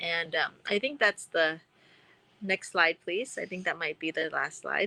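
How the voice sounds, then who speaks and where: A woman speaks at a fairly slow pace with a medium pitch and a bright, sharp tone, recorded dry and close with no echo. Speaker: parent of a child with Down syndrome. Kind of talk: webinar presentation. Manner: halting.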